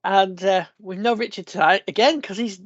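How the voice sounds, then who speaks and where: A man's voice: high-pitched, fairly even intonation, moderate pace, fairly bright tone, dull audio. A man hosting a casual tech podcast, sniffly from a cold, rambling with lots of fillers. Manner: rambling, many fillers and restarts. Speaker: podcast host.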